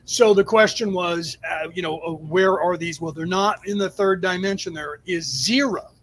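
Man, high voice, spiritual teacher, emphatic explainer, stop-and-start delivery, informal livestream lecture, noisy rumbling recording. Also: normal speed, fairly bright tone. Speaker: spiritual teacher answering audience questions on a livestream. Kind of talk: extemporaneous spiritual lecture to a live chat.

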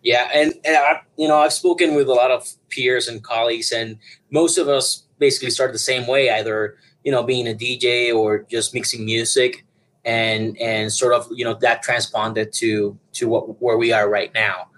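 A man from Puerto Rico in his thirties, a guest on an interview show. He talks about his work in a loose, rambling way, full of fillers and restarts, at a middle pitch. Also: fairly even intonation, moderate pace, a bit bright, poor audio. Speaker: guest broadcast engineer. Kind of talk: conversational interview.

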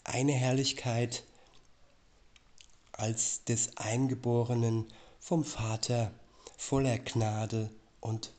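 Man, preacher, slow Bible reading, measured and deliberate, mid pitch. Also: a little mellow.

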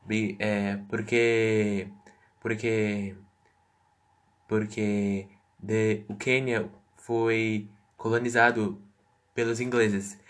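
A man answering interview questions as a guest, reading prepared answers with stumbling restarts. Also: medium pitch.

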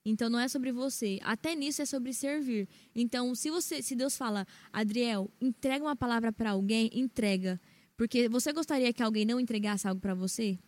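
Emphatic Brazilian woman, slightly high voice. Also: fairly quick, darkish tone. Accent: Brazilian Portuguese. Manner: emphatic, speaks directly to the audience. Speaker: podcast co-host. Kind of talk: casual Christian podcast chat.

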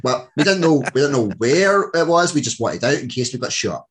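A man hosting a chatty online show, cracking jokes and wandering off into stories. He sounds relaxed and casual, with a middle-pitched voice and a lively, teasing way of talking. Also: brisk. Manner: jokey, rambling, laughs often. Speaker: podcast host. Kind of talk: casual interview chat.

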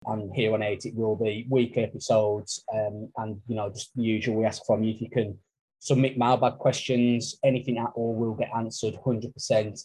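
A man's voice: lowish voice, flat delivery, moderate pace, darkish tone, slightly rough, low-quality recording. A man with a Black Country accent talking casually and wordily as a co-host on a sports podcast. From Black Country, England.

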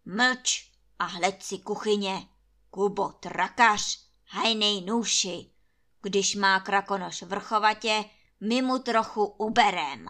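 A woman voicing a bossy, greedy male landlord who shouts commands in a storybook reading. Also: mid-range voice, natural voice. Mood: domineering.

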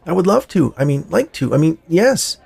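A man's voice: on the high side, sing-song, normal speed, vocal fry, darkish tone, husky, voice pushed up, heavily acted. A man voicing an awkward, earnest teenage schoolboy in an audio story, with an eager manner. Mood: flustered, eager.

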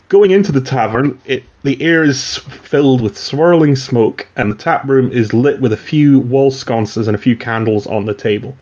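A man narrating as game master, relaxed and self-deprecating, on a dull lo-fi recording. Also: mid-range voice. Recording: dull lo-fi sound.

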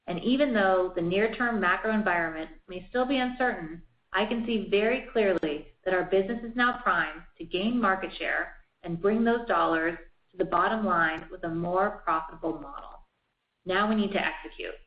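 A woman's voice: on the low side, moderate pace. A woman reading prepared financial remarks in a formal, scripted way, as a company executive on an earnings call. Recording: dull, roomy conference call audio.

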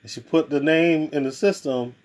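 A man hosting a podcast in casual chat, telling stories in an animated way, laughing often and acting out what people said. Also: on the high side, moderate pace. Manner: animated storyteller, laughs often, acts out quotes. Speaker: podcast host.

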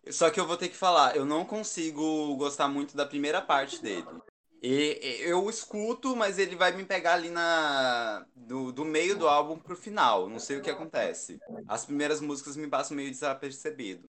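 A man's voice: on the high side, normal speed, fairly bright tone. A man with a Brazilian Portuguese accent in casual chat, gushing and emphatic about what he loves. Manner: gushing, emphatic fan talk.

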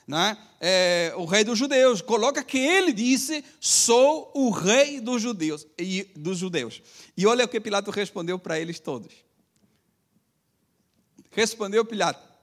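A pastor preaching to his congregation in a teaching manner, checking in with short tag questions and having them repeat after him. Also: high-pitched. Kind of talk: sermon.

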